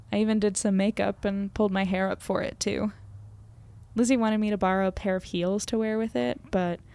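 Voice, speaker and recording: A woman's voice: mid-range voice, gravelly, a little mellow, natural voice. A woman playing an earnest, self-deprecating young podcaster, chatty and descriptive as she narrates her evening in an audio drama. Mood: anxious, chatty.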